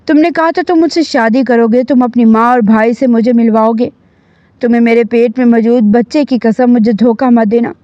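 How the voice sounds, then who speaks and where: A frightened young woman pleads through tears in a storybook reading, as a woman narrator voices her. The voice sits higher than the narration. The sound is dry and a little dull. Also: steady tone, dark tone, dry recording, lightly acted. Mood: pleading. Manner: pleading, tearful.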